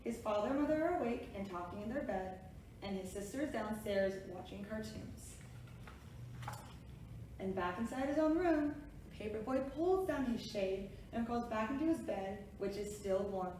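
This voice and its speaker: A woman's voice: mid-range voice, animated, moderate pace, darkish tone. A woman with a kindergarten teacher voice, hosting a children's storytime, reading picture books aloud and guiding young listeners with simple, encouraging directions. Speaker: preschool storytime reader and host. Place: echoey room, away from the mic. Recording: very echoey room, distant mic, faint noise.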